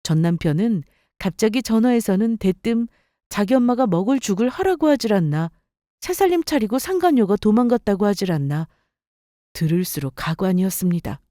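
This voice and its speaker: Expressive woman narrating a story. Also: mid-range voice, moderate pace, no room sound, clean studio sound. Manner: expressive, sharp-tongued.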